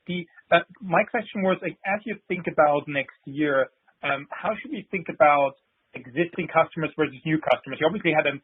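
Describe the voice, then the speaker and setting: A man's voice: a little high, husky. A man asking questions as a financial analyst on an earnings call, with hesitant, stop-start phrasing. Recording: narrow tinny phone line.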